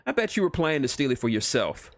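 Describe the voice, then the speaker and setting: A man's voice: medium pitch, sing-song, fast, voice pushed up. A man voicing a blunt, complaining young male ninja with a griping, accusatory manner in a comic story reading. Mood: accusing.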